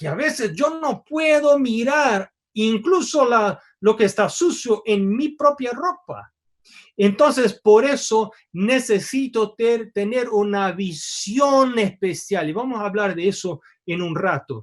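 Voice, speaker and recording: A man with a Portuguese accent talks very slowly at an extremely high pitch. His intonation is lively, and the background is quiet. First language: Portuguese (speaking Spanish). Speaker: pastor. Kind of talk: sermon.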